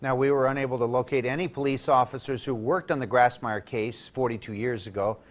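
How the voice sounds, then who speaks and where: A man anchors a TV newscast with a crisp, scripted delivery. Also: mid-range voice, fairly even intonation, fairly quick, soft background music. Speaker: TV news anchor.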